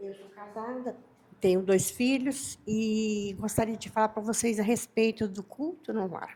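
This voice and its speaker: A woman with a fairly high pitch speaks slowly in a plain, everyday voice. Her intonation is fairly even, but her loudness swings widely. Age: 60s. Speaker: audience member. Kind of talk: testimony.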